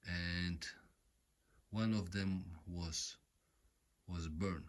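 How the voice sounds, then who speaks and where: A man who is not a native English speaker, giving an unscripted hands-on repair explanation in a halting, repetitive way, often saying okay. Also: low voice, fairly even intonation. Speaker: repair tutorial host. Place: indoors at home.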